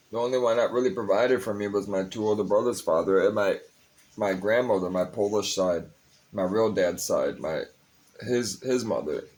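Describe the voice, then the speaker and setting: Young male vlogger, very low voice, tired, loose confessional ramble with plenty of swearing. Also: a little mellow. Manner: rambling, confessional, curses freely. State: tired, a bit high. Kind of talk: casual personal vlog talk.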